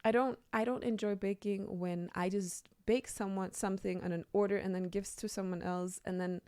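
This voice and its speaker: A woman's voice: medium pitch, steady tone, moderate pace, warm tone, clean tone, no room sound. Earnest woman in a dry studio. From Denmark. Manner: earnest, emphatic, repeats phrases and seeks agreement with "right?". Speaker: radio guest, leadership and personal development coach. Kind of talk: reflective conversational interview. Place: radio studio.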